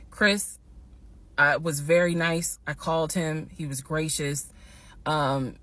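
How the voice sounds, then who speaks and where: A woman casually telling a personal story to her viewers, animated and emphatic, slowing down to stress the key points. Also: low voice. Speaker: storytime vlogger.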